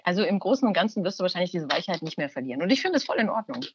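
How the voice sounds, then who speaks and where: A woman in her thirties, a mother of three, chatting casually and giving frank, lively advice. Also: lowish voice, very fast, husky, no echo. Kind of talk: casual chat. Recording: slightly dull, lo-fi sound.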